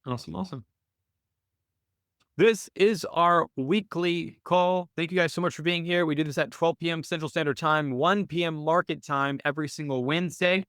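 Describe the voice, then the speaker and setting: A man's voice: on the high side, moderate pace, a bit bright, smooth, dry recording. A man hosting a weekly live call, talking casually and thinking aloud with frequent "right?" tags and small restarts, close to his mic. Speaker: host of a weekly trading call.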